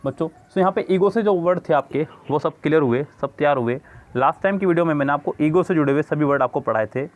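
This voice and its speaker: Man teaching from a vocabulary book. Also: a little high. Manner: reads English text slowly, explains quickly in Hindi; addresses students as children. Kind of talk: Hindi-English book lesson. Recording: dull lo-fi audio.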